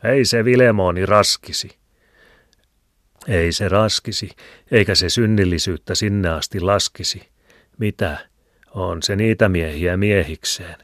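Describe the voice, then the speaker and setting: A man voicing a pious, whining old village woman with a squeaky voice, in a dry close recording. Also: pauses often, fairly bright tone, no room sound. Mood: pious whine. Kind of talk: audiobook reading. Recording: dry close studio sound.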